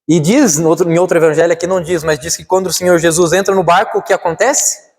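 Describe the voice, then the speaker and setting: Man, Brazilian Portuguese accent, preaching, slow hushed lines then urgent rises, reverberant hall. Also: a little high, fairly even intonation. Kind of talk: sermon.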